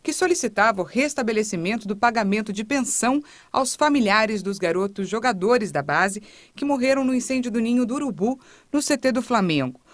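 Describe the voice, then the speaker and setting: A woman reporter reading a news report voice-over in a brisk, even narration. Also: fairly high pitch, no room sound.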